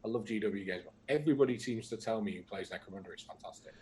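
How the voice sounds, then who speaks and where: A man chats easily on a livestream and reads viewer comments aloud, adding his own asides. His voice sits on the low side. A faint hiss of room noise runs underneath. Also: very fast, a little mellow. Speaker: co-host reading viewer comments. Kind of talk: casual livestream chat.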